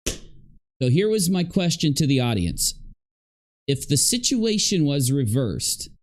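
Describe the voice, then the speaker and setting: A man's voice: fairly high pitch, big pitch swings, slow pace, slight background noise. A man hosting a casual reaction stream, talking straight to his audience and posing hypothetical questions. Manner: talks directly to viewers, posing hypothetical questions. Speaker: commentary livestream host.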